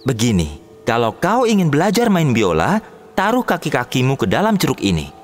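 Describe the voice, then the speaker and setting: A woman voicing a cunning young male musician in a cartoon, giving sly, bossy orders in a lowered voice. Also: wildly swooping pitch, moderate pace, faint music behind, heavily acted. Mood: scheming. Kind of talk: cartoon dub storytelling.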